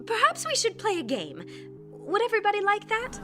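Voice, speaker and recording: An actress playing a genteel, anxious society hostess in an audio drama, gracious and theatrical in manner. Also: female voice, extremely high pitch, huge pitch swings, brisk, music in the background, exaggerated voice. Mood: brightly gracious.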